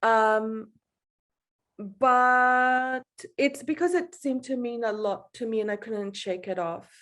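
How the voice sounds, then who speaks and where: A woman from El Salvador giving an informal, personal artist's talk over a video call, halting and self-deprecating, often laughing as she speaks. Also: fairly high pitch, fairly bright tone. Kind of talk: informal personal reflection in an online panel.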